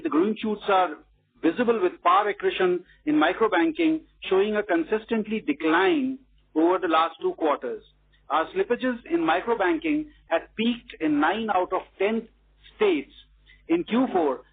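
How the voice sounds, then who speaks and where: A man with an Indian accent formally reading out a scripted financial presentation as a company executive, in measured fashion. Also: high voice, breathy edge. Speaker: bank executive presenting quarterly results. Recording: muffled lo-fi conference call audio.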